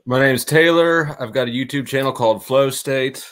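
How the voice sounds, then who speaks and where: A man's voice: medium pitch, normal speed. A man guest on a group video call, confident and casual.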